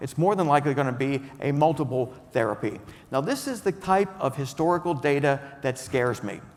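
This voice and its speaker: At a fairly quick pace, a man speaks in an unremarkable speaking voice, fairly high in pitch with ordinary pitch variation. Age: 60s. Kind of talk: conference talk.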